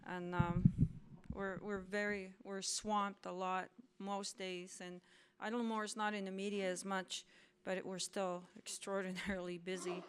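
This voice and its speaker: Brisk woman speaker rushing through slides. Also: mid-range voice, smooth. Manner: brisk and hurried, lively. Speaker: activist and co-founder giving a talk. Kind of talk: fast conference presentation with slides. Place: lecture hall at a law school.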